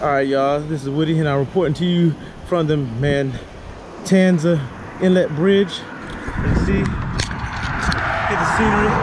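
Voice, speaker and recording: A man's voice comes through dry with no echo, with noticeable background noise. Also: ordinary pitch variation, fairly slow pace. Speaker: fishing vlogger. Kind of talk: casual vlog chat. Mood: relaxed, cheerful. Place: waterside. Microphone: phone near.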